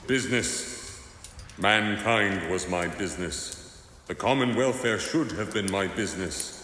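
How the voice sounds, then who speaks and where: An actor playing a mournful, doom-laden ghost of a dead businessman in a slow, solemn radio drama style. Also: on the low side, pushed and bright. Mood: anguished, lamenting. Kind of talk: theatrical radio drama acting. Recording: cavernous echo and reverb, background noise.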